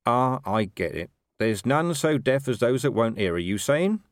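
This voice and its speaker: A man voicing a gruff, weary, sardonic city watch commander in a story, demanding and sceptical. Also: mid-range voice, very animated, moderate pace, no echo, studio quality.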